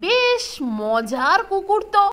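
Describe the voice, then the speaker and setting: A woman voicing a mischievous, playful schoolboy in a cartoon, excitable and cheeky. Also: very high-pitched, takes it slowly, noisy background, heavily acted. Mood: playful, scheming. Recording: loud music behind.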